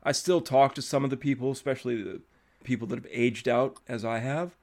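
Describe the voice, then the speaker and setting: A young man hosting a podcast in a casual interview chat, relaxed and talkative, letting his thoughts trail off. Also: mid-range voice, a little fast. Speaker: podcast host.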